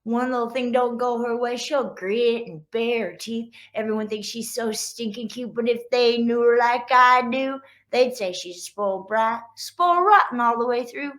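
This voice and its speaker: A put-upon middle-brother dog from a storybook, played by a woman reading aloud, complains jealously in a folksy way. The voice is bright and fairly high. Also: normal speed, few pauses, close to an everyday voice. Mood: aggrieved. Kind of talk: children's storybook read-aloud.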